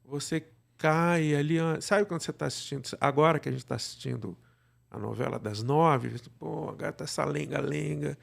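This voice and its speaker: A Brazilian man speaks as a guest in a casual conversation. His voice sits a little high for a man and has plenty of gravelly creak. He gives advice colloquially, digressing and often checking for agreement. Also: normal speed. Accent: Brazilian Portuguese. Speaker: interview guest, radio drama creator.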